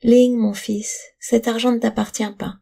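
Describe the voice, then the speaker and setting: A woman playing a calm, wise mother. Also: fairly high pitch, a little slow, creaky, pitched above the performer's own voice. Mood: gently firm. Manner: calm, gently firm.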